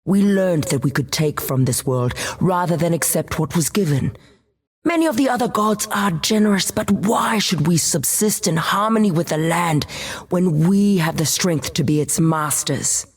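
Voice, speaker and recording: A woman's voice: on the low side, normal speed, slightly rough. A woman playing a devout keeper of tribal traditions, speaking earnestly and solemnly in a fantasy game monologue. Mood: proud, instructive.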